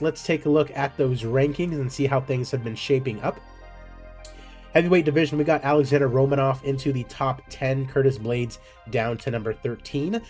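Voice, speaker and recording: A man hosts a gaming series, running through simulated fight results in a relaxed, conversational way. His pitch sits in an ordinary middle range, and he drops offhand asides as he goes. Faint music plays underneath. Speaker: video game series host. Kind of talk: casual commentary on a simulated MMA career.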